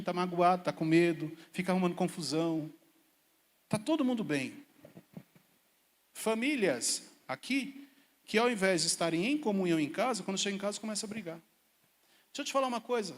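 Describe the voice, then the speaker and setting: A man preaching a lively sermon as pastor to a church congregation, asking his listeners pointed rhetorical questions. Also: high-pitched, a little fast. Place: church service hall. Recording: long hall reverb.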